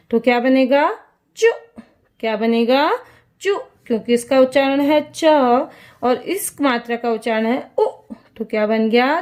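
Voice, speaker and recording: A woman teaching a lesson to young children, repeating each question and answer slowly. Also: high voice, a little mellow.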